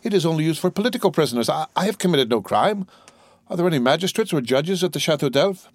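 A man's voice: on the high side, animated, fast, no echo, pitched above the performer's own voice. A man voicing a desperate young sailor held prisoner, pleading in an earnest, agitated way in a storybook reading. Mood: alarmed disbelief.

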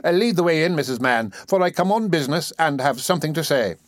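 A man voicing a pompous, self-important parish beadle in an audiobook, with a stately, drawn-out delivery. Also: on the high side, expressive, no room sound, studio quality, pitched above the performer's own voice, lightly acted. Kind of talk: audiobook character voice.

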